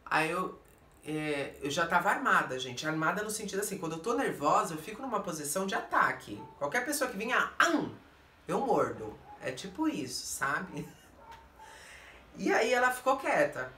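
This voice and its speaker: A woman's voice: lowish voice, big pitch swings, moderate pace, pushed and bright, a little hiss or hum. A Brazilian woman vlogger with a Brazilian Portuguese accent, telling a story to her viewers in a blunt, emphatic way that keeps turning to her audience. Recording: roomy echo, distant mic.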